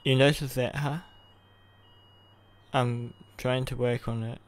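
A man's voice: medium pitch, level tone, slow, lightly acted. A young man playing an awkward, earnest college student who is secretly a superhero, in a roleplay audio with hesitant delivery. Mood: apologetic.

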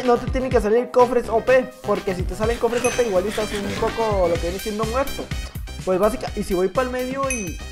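A man's voice: very high voice, fairly bright tone. A man with a Mexican accent giving playful, teasing gameplay commentary as a gaming YouTuber. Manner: playful, teasing, jokey banter.

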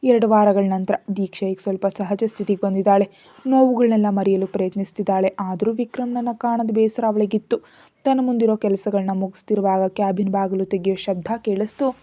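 A woman reads a story aloud in a scripted narration style, with a mellow, soft-edged tone at an ordinary pitch. She voices all the characters' lines herself. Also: steady tone, fairly quick. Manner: reads all characters, raising her voice for dialogue.

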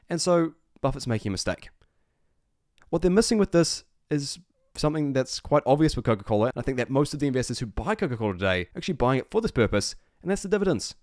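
A man's voice: mid-range voice, a little mellow, dry recording, studio quality. A man giving off-the-cuff investment commentary, speaking emphatically with repeated phrases and rhetorical questions. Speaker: investing video host. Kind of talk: off-the-cuff stock analysis commentary.

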